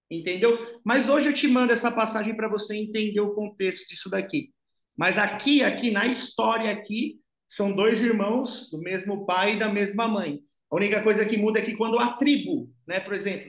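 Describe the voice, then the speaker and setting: High-voiced man teaching the Bible in an echoey room. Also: a bit bright. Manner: conversational, explains step by step, addresses listener directly. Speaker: devotional teacher.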